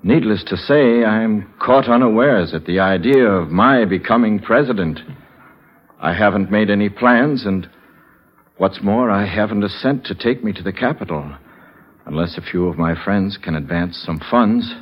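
A man's voice: on the low side, moderate pace, close to an everyday voice. A man acting a penniless, formal and grave vice president of long ago, in the style of 1940s radio drama. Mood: somber, overwhelmed. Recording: dull old radio broadcast.

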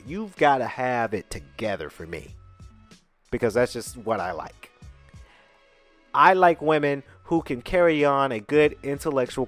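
A man's voice: mid-range voice, a bit bright. A man in his twenties co-hosting a podcast, rambling casually, bluntly and with profanity, often asking "right?". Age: 20s. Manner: chatty, keeps asking "right?". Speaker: podcast co-host.

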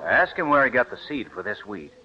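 An actor playing an earnest, resolute American wheat scientist in a 1940s radio drama. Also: male voice, mid-range voice, very animated, brisk, husky. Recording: muffled old radio recording.

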